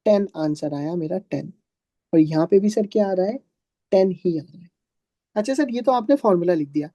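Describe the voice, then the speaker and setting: A man's voice: high voice, lively intonation, normal speed, dark tone, no room sound, highs cut off. A male teacher giving a classroom math lecture, asking and answering his own questions in a chatty, joking way, with students in the room.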